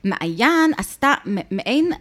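A woman's voice: on the high side, big pitch swings, a bit bright. Israeli woman, opinionated and teasing podcast chatter. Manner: opinionated, teasing, mimics people she discusses. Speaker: podcast co-host. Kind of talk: casual chat recapping a reality show.

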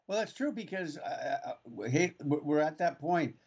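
A man's voice: fairly high pitch, lively intonation, moderate pace, a little mellow, breathy edge, muffled recording. A man co-hosting a radio talk show from a remote location, rambling with frequent restarts and fillers. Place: remote studio in Kamloops.

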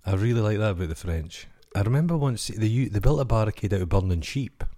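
A man's voice: on the low side, animated, fast, warm tone. A middle-aged Scottish man co-hosting a casual podcast, rambling and joking through tangents. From Scotland. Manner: rambling, jokey, trails off into tangents. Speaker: podcast co-host. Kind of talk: casual comedic chat.

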